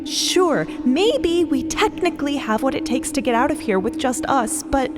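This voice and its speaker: A woman plays an anxious young woman in an audio drama, her voice high and swinging widely. She pleads in halting, emphatic bursts, over a clear music bed. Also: lively intonation. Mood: agitated, accusing. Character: anxious, conscientious young woman, a people-pleaser finding nerve.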